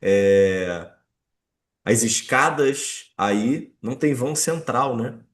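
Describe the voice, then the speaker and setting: A Brazilian man with a medium-pitched voice hosts a casual interview. He speaks haltingly, circling back and repeating his openings as he searches for the right words. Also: lively intonation. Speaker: podcast host.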